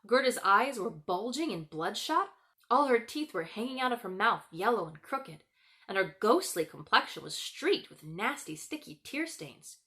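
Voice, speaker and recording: A woman author hosting her own video, with expressive storybook narration and chatty vlog talk. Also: mid-range voice.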